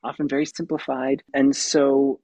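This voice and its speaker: A puppeteer and voice actor talking through his craft in an interview, with a light, youthful tenor voice and an animated manner that breaks into laughs. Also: mid-range voice, normal speed, creaky, dry recording. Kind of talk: conversational interview answers.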